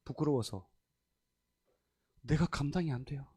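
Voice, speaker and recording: A man's voice: on the high side, unhurried, slightly rough. A male pastor preaching a sermon in a church, telling stories and acting out the voices of people in them. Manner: animated, acts out quoted voices, laughs often. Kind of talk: sermon with storytelling. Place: church sanctuary.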